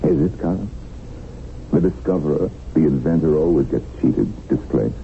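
An actor playing a middle-aged kidnapped tycoon in a radio drama, worldly and defiant, with a sardonic, reflective manner. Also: male voice, a bass voice, moderate pace, vocal fry. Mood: wry, goading. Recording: narrow-band, noisy old radio broadcast.

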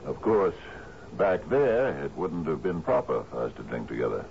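An actor playing an aging, frail sea captain in a radio drama, gruff and wistful, with halting, muttering speech that can burst into urgent cries. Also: male voice, a bass voice, big pitch swings, full character voice. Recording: muffled, noisy old radio broadcast.

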